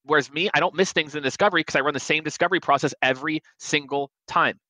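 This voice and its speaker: A quick-talking man in his forties with a bright, forceful tone, speaking as a podcast guest. He is emphatic and animated and keeps breaking into acted-out bits of dialogue. His voice sounds dry and close, with no room around it. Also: a little high, no echo. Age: 40s. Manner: animated, emphatic, acts out quoted lines. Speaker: sales expert guest. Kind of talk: energetic podcast advice.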